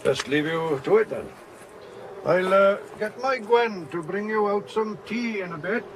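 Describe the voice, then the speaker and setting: An actor playing a deferential rustic manservant in a radio horror play, speaking in a halting, folksy way. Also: male voice, high-pitched, expressive, noisy background. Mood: deferential, easygoing. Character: deferential rustic manservant, plain-spoken and hesitant.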